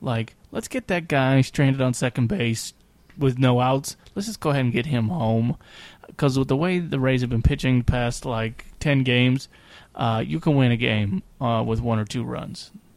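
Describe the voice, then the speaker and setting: A man with an unremarkable speaking voice talks at a moderate pace and medium pitch with ordinary pitch variation, on a very clean recording with a silent background. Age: 30s. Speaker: sports podcast co-host. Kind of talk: casual chat.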